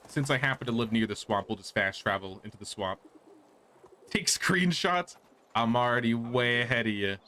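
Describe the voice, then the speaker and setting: A man's voice: medium pitch, lively intonation, moderate pace, pushed and bright, a little hiss or hum. Casual male game streamer with dry asides. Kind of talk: casual live gameplay commentary.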